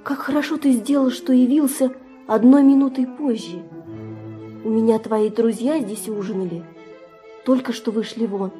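A woman playing Laura, a dark-voiced flirtatious lover. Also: a little high, moderate pace, faint music behind, close to an everyday voice. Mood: conspiratorial, tender. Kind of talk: theatrical verse radio drama.

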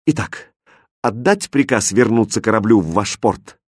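Brief: male narrator doing an impassioned fairy-tale king, animated pitch, dry studio sound. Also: moderate pace, no echo. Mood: ardent. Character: passionate young king, ardent and dramatic. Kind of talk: audiobook character voicing.

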